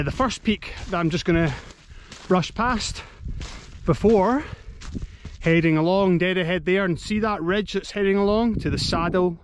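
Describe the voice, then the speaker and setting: An enthusiastic, awestruck man casually narrating his hike outdoors in an exclamatory way. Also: a little high. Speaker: hiking vlogger. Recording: noisy outdoor handheld recording.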